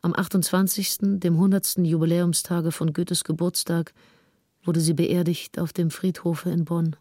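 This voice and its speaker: A woman's voice: fairly low pitch, little pitch movement, mellow, no room sound, clean studio sound, natural voice. Woman playing a sober, restrained grieving 19th-century woman. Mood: sober grief. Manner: measured, sober, formal. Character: grieving 19th-century woman recounting her companion's death in writing. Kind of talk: scripted literary reading.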